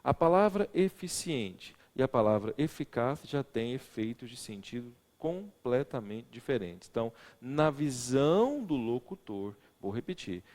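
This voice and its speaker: A man's voice: mid-range voice, in a large hall. A man teaching legal writing in a recorded lecture, stressing words for effect and putting questions to his students. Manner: expressive, stresses words, asks the class questions.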